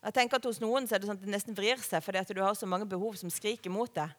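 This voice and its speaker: A woman preaching a sermon in a conversational way, often asking the listeners questions. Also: medium pitch. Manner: conversational, warm-hearted preaching with rhetorical questions. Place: church hall. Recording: long hall reverb.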